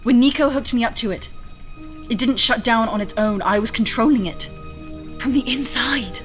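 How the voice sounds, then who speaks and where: Actress playing a driven, high-voiced woman scientist over music. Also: moderate pace, natural voice. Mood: urgent, revelatory. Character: driven, stubborn female scientist, defiant and confident. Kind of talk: audio fiction acting.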